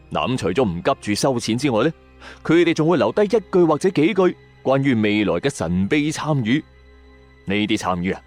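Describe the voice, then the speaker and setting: His voice is mid-range and a little mellow as this Hong Kong Cantonese-accented podcast host tells a scripted story. He narrates like a storyteller, dramatic, suspenseful and conversational, while music plays in the background.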